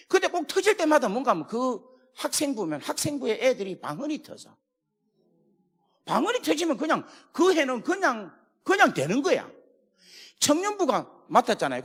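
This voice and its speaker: A man with a Gyeongsang accent preaching a sermon in a church, telling stories and swinging from hushed asides to shouts. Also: sits high, slightly rough. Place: church sanctuary. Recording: long hall reverb.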